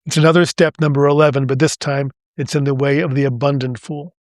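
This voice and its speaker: A man hosting a reflective spiritual podcast, talking slowly and deliberately, phrase by phrase, and reading inspirational passages in a gentle voice. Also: medium pitch, flat delivery, no echo, clean studio sound. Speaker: podcast host.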